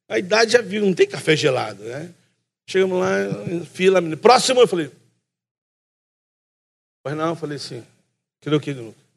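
Preaching in a high, creaky voice with a Carioca Brazilian Portuguese accent, a man shares a funny personal story during his sermon. He acts out both sides of the exchange with lively energy, addressing the listeners as "brother" over and over.

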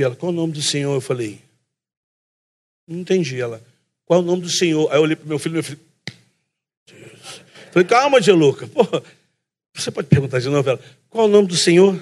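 A man with a Carioca accent preaches, with a voice that sits high for a man. His tone is husky and a little breathy. He tells a story with energy, acts out each side of the conversation, and keeps calling out to his listeners. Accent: Carioca Brazilian Portuguese. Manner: animated storytelling, acting out both sides of a conversation; calls the listeners "brother" again and again. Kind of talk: sermon with a funny personal story.

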